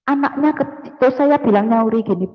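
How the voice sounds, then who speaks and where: A woman giving an animated church testimony, acting out sounds and often turning to her listeners. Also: fairly high pitch, moderate pace. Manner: animated storytelling with sound effects, calls the audience "brothers and sisters". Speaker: testimony giver. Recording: echoey hall, dull lo-fi sound.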